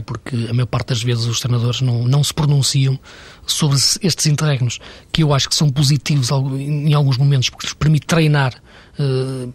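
Casting: man, husky voice, dry close sound, hesitant pundit on a panel. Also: mid-range voice, dry recording. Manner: hesitant, many restarts, argumentative. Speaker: football pundit. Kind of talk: studio panel discussion.

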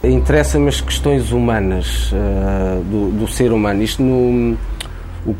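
A man's voice: lowish voice, unhurried, dark tone, slight background noise. A man born in Angola, a painter, speaking in a casual interview, often repeating words while he thinks.

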